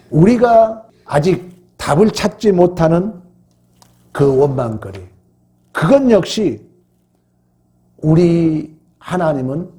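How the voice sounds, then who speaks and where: Male pastor, sermon, fairly high voice, mellow tone, rises and drops sharply. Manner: emphatic, swings from raised exclamations to hushed low phrases; drawn-out slow phrases at solemn points. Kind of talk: sermon at a midweek Bible study.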